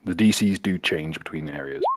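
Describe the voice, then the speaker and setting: A man's voice: rumbling low, normal speed, no echo. A man running a tabletop game as game master, sardonic and swearing freely.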